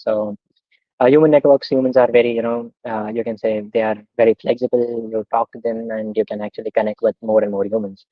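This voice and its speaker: A man's voice: mid-range voice, no room sound. A young man from India, a guest speaker talking casually on a video call with many filler sounds. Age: young adult. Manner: relaxed, many "um"s, explains with everyday examples. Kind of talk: casual online talk. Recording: dull lo-fi video call audio.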